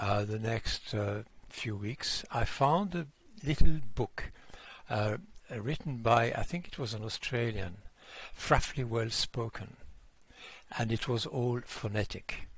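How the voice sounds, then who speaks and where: With a slight French accent, a man of medium pitch talks at a very slow pace with long, frequent pauses and a somewhat breathy sound, on a very clean recording with a silent background. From France. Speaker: intercultural trainer and consultant. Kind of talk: podcast interview. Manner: hesitant, many fillers.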